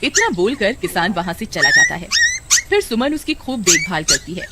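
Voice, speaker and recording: A woman's voice: fairly high pitch, huge pitch swings, moderate pace, very noisy. Woman narrating a cartoon story.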